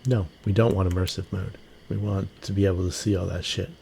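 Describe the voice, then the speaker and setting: A man's voice: deep voice, steady tone, brisk, creaky, darkish tone, slight background noise. A man giving casual gameplay commentary, muttering to himself and swearing freely. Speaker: gaming channel host. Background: music behind the voice.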